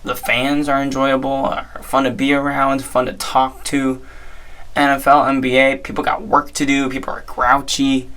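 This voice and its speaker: A hoarse young man hosting his own podcast, giving chatty, upbeat sports talk with frequent restarts. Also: mid-range voice, monotone, moderate pace, sharp tone. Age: young adult. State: hoarse, strained voice. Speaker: podcast host. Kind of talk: casual solo sports talk.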